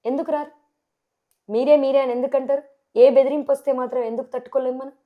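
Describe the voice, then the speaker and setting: A woman with a Telangana Telugu accent, a sarpanch candidate answering in a TV interview, forceful and full of rhetorical questions. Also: sits high, steady tone, fast talker, dull audio.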